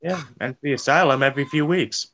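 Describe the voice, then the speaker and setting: A man's voice: medium pitch, a little fast, fairly bright tone, slight background noise. A man co-hosting a casual movie riff, dropping dry, teasing one-liners. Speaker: co-host.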